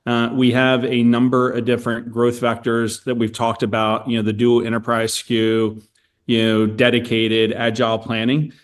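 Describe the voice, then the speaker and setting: Male corporate executive, average pitch, businesslike and measured, earnings-call delivery. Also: completely flat delivery. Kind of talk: prepared corporate remarks and answers to analysts.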